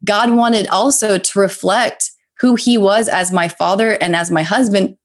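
A woman's voice: medium pitch, steady tone, measured pace. A woman in her thirties, a podcast guest, earnestly sharing a faith-based personal story in conversation, often restarting her phrases.

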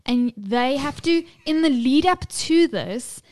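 A woman's voice: sits high, lively intonation, takes it slowly, darkish tone. A woman, co-hosting a podcast in casual chat, sweary and laughing often. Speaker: podcast co-host.

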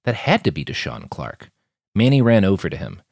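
A man reading scripted audiobook narration in a measured storytelling way. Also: sits low, very animated, gravelly, a little mellow, slightly rough, no room sound, clean studio sound.

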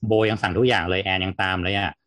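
A man hosting a casual podcast chat, explaining ideas in a rapid, chatty flow. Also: low-pitched, fairly even intonation, bright, forceful tone, no room sound. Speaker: host.

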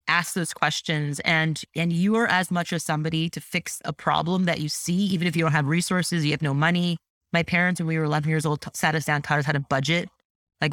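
Clean studio sound with no echo captures a low-pitched Canadian woman who grew up speaking French. Appearing as an entrepreneur on an informal podcast interview, she comes across animated and talkative, leaning heavily on "like" and "you know."

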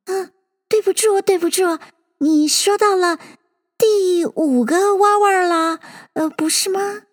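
A woman's voice: extremely high pitch, lively intonation, normal speed, in a large hall, pitched above the performer's own voice. Woman doing a polite eager little girl. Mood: pleading. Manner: apologetic, pleading, chatty.

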